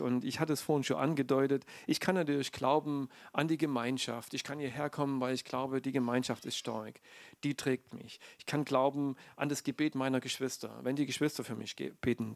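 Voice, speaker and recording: A man's voice: medium pitch, vocal fry, no echo. A man preaching an informal sermon, chatty, with many fillers and restarts.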